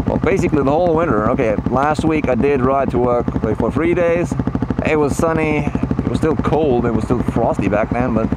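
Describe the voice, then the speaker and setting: The speech comes at a moderate pace. The sound is dry with no echo, yet loud background noise is present. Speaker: motorcycle vlogger. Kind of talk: casual vlog chat. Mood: cheerful, relaxed. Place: motorbike. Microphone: helmet.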